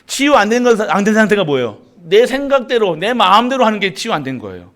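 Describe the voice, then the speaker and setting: A male pastor delivers a sermon in a fairly high voice. He rises into loud emphatic peaks and drops to low asides. He keeps throwing questions out to the congregation. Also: sing-song, fast.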